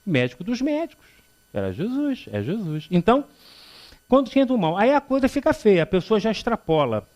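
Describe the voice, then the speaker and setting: A man from Rio de Janeiro in his fifties gives a public spiritist lecture in a hall. His voice sits a little high and moves through a lively range of pitch. He jokes with the audience and acts out short exchanges between the people in his stories. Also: fairly quick. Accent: Carioca Brazilian Portuguese. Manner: animated, joking storyteller who acts out dialogue.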